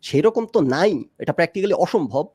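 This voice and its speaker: His voice sits on the high side, expressive, mellow and husky, and he speaks a little slowly. As a discussion guest in a casual live-stream debate, he argues his point and mixes English phrases into his Bengali. The clean studio sound has no room sound.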